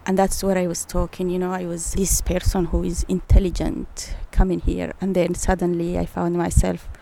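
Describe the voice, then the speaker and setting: A woman's voice: fairly low pitch, completely flat delivery, normal speed, creaky, dark tone, slight background noise. A woman of around sixty, speaking as an interview guest and telling her story in an earnest, thoughtful way. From Eritrea. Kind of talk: casual interview.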